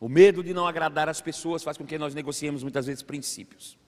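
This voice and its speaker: A man preaching a sermon as a pastor, telling a family story with animated acted-out voices. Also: on the high side, fast talker. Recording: long hall reverb.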